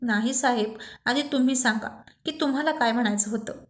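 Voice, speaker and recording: A woman's voice: on the high side, fairly quick, lightly acted. A woman voicing a playful, insistent young woman who teases and coaxes in a storybook. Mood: teasing. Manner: teasing, coaxing.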